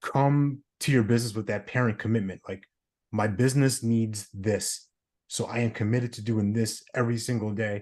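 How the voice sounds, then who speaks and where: A man with an American accent and an ordinary speaking voice, medium pitch, moderate pace and fairly even intonation, in a quiet background. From New York, Long Island. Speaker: leadership coach. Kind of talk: podcast interview.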